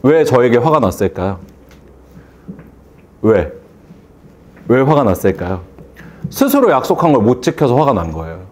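Animated man giving a motivational talk. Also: mid-range voice, normal speed, long pauses. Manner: animated, rhetorical questions, acts out phone calls. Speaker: hair salon owner giving a speech. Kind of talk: motivational speech to an audience.

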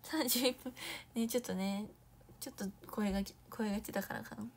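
A young woman chatting casually on a morning live stream, reading viewer comments, thanking viewers in a bubbly way and sometimes dropping to a soft whisper. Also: mid-range voice, fairly even intonation, a little fast, a little hiss or hum.

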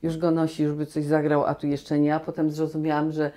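A woman in her sixties, a guest actress, recalling her life in a relaxed, animated way full of restarts, in a small cozy room on a lapel mic. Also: deep voice, brisk. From Poland. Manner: animated storytelling with many restarts. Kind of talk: relaxed reminiscing conversation.

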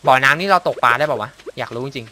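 Excitable man narrating his gameplay. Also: medium pitch, very fast. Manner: excitable, exclaims and mutters to himself, makes sound effects. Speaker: gameplay commentator. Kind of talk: casual let's-play commentary.

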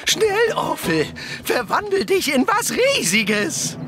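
A performer voicing a mischievous, gleeful bandit in a German children's cartoon, taunting and theatrical, over loud music. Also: very high voice, huge pitch swings, takes it slowly, full character voice. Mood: gleeful urgency.

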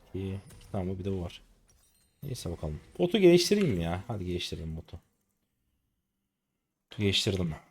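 A deep-voiced gaming streamer in his late twenties gives live commentary on his gameplay. He is excitable and exasperated, throwing rough, slangy banter at his teammates.

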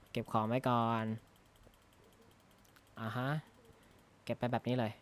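Over background noise, a medium-pitched man records casual Minecraft let's-play commentary at his gaming desk using a close desk mic. The gaming YouTuber rambles, jokes, and thinks out loud, sprinkling in "na ha" tags often.

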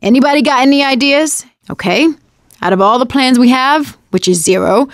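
An actress playing a sassy, wisecracking young woman surviving a zombie apocalypse in a video game, sardonic and expressive. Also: high voice, moderate pace, no room sound, clean studio sound. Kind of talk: video game combat barks and quips.

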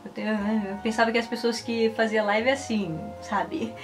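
A woman's voice: fairly high pitch, little pitch movement, measured pace. A woman, chatting casually and animatedly to the camera in a rambling way. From Japan. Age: 20s. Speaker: YouTuber and Japanese teacher. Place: small indoor room. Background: background music.

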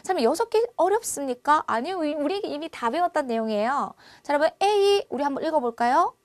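A woman teaches Chinese vowels in a recorded online lesson. Her voice sits fairly high, and she talks with lively energy. She sounds out each vowel loudly and slowly, close to a dry mic. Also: dry recording.

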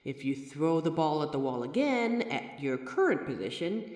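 A man's voice: a little high, big pitch swings, normal speed, a little mellow. A man voicing a person's own mirror reflection, a sentient being of light, who explains things patiently to the listener with chatty, wry asides. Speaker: audio roleplay voice actor. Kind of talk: scripted audio roleplay addressed to the listener. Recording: echoey room with long reverb.

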